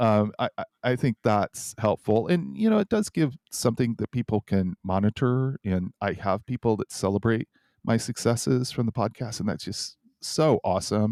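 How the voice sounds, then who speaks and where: A man's medium pitch in a plain, everyday voice, at a moderate pace with ordinary pitch variation and a dry, close sound with no echo. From US Midwest, northern Indiana. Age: 60s. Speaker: podcast host, cyclist. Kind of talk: interview conversation.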